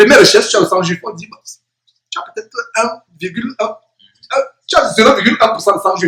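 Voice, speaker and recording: A man speaks at a fairly quick pace in a high pitch, his tone animated, bright and sharp. His loudness swings widely, and he takes long, frequent pauses. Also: lively intonation. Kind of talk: preaching conversation.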